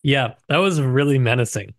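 Male co-host, medium pitch, informal and slightly hesitant conversational delivery, dry room sound. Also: expressive, moderate pace, dry recording. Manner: informal, hesitant, hedging with asides. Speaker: podcast co-host. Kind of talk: casual book discussion.

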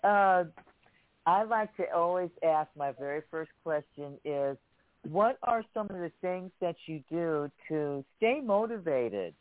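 A man hosting a radio interview, asking slow, halting questions with fillers. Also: fairly high pitch, lively intonation, no echo. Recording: dry, narrow phone-like sound.

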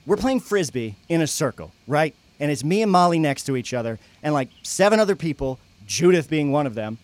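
A man's voice: fairly high pitch, very animated, fairly quick, darkish tone, dry recording. A young man acting a brash, foul-mouthed, resentful guy at a church camp, griping in slangy, emphatic audio drama dialogue. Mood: indignant.

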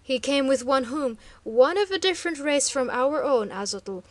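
A woman voicing a furious, arrogant male chieftain who shouts savage threats in archaic speech. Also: high-pitched, expressive, moderate pace, no echo. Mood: raging.

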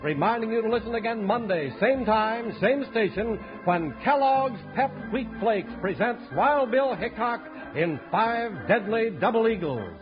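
A man's voice: sits high, animated, unhurried, few pauses. A man delivering polished, emphatic announcements in the manner of a 1950s radio announcer. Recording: muffled vintage radio recording, loud music.

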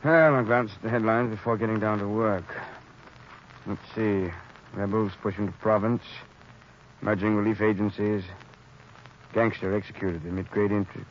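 An actor playing a composed, formal wealthy gentleman in an old radio drama. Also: fairly low pitch, lightly acted. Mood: calm. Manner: calm, measured, formal. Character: wealthy male philanthropist, composed, older gentleman. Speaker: warden and philanthropist Borden. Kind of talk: 1930s radio drama acting. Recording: dull old radio recording with faint hiss.

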